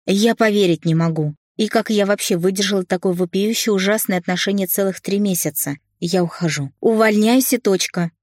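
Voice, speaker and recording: A woman's voice: medium pitch, a little fast, few pauses, a little mellow, no room sound, studio quality, pitched above the performer's own voice, natural voice. A woman reading an audiobook, voicing an indignant sixty-year-old nanny who exclaims in exasperation. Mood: exasperated. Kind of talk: audiobook narration.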